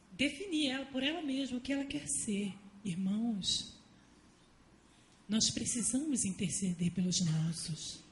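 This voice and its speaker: Woman preaching in a church, pretty high voice, stories then loud fired-up appeals, echoey room with a little hiss. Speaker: speaker at a women's church service. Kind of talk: sermon. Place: church hall.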